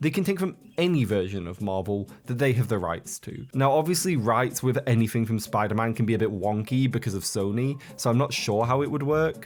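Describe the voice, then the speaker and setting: With music in the background, a man at medium pitch talks at a fairly quick pace with lively intonation and hardly any pauses. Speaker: gaming YouTuber. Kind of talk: unscripted commentary. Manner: animated, excited.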